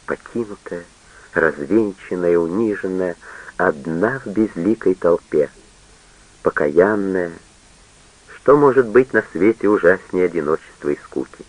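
A man reading a literary novel aloud in a measured, solemn way. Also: low-pitched, poor audio. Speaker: audiobook reader. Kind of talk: literary audiobook narration.

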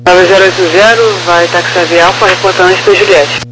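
A man working as an air traffic controller, reading clipped clearances to aircraft over a walkie-talkie style radio. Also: high voice, fairly even intonation, fast talker, loud music behind the voice. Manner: clipped procedural phrasing. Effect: over walkie-talkie style aviation radio. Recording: noisy aviation radio transmission.

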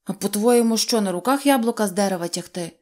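A woman voicing a boastful, bossy little boy who shouts orders and brags. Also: medium pitch, fast, close to an everyday voice. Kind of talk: audiobook character voice.

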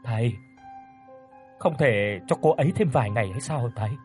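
A man's voice: medium pitch, expressive, moderate pace, darkish tone, soft background music, voice pushed down, natural voice. A man voicing a desperate young man who begs and pleads. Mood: pleading. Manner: pleading, tearful.

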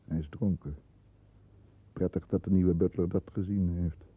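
An actor playing a stern, disdainful middle-aged lawyer who narrates his own thoughts in a measured way in a 1960s radio drama, heard on a muffled old recording. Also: deep voice, fairly even intonation, breathy edge, no echo. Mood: tense, impatient. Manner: measured, introspective first-person narration.

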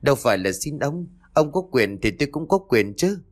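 A man voicing a sharp-tongued rural wife and mother who answers back with quick, scolding retorts in a raised, fast voice. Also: medium pitch, very animated, soft background music, pitched above the performer's own voice. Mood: defiant.

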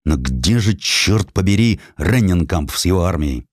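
Man voicing a deep, weary, commanding army general. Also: expressive, a little slow, no room sound, clean studio sound. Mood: exasperated. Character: weary, blunt Russian army general, middle-aged man.

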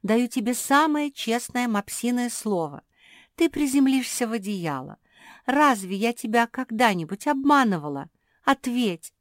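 A woman voicing a gentle, motherly black female pug who speaks in a tender, coaxing way. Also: fairly high pitch, animated, unhurried, no echo, studio quality, voice pushed up.

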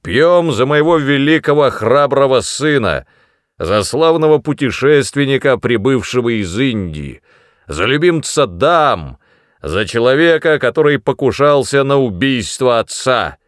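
Brutal drunk father, sneering and loud, big swinging voice, as a male reader puts him on. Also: fairly high pitch, very animated, a little slow, no echo, studio quality, pitched above the performer's own voice. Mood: mocking. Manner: mocking, menacing, loud.

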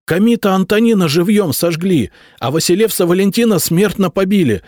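A man doing a shrill, frantic courtier. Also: expressive, fairly quick, a little mellow, no echo, clean studio sound. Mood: urgent. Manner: shrill, squealing urgency. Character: young man in disguise, shrill and urgent.

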